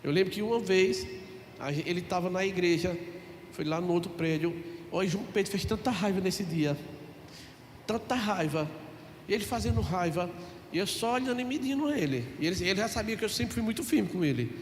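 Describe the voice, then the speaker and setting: A man's voice: high voice, lively intonation, quick pace. A man, a pastor preaching a sermon and telling stories with acted-out dialogue and jokes. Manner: storytelling, acts out dialogue, jokes. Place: church. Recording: echoey church hall, faint noise.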